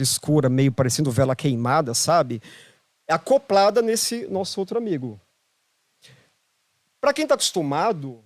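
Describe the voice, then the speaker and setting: A man's voice: on the high side, darkish tone, no echo. A man with a Brazilian Portuguese accent, a podcast guest telling a story in casual chat, emphatic and repeating phrases for emphasis. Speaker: podcast guest, holistic therapist.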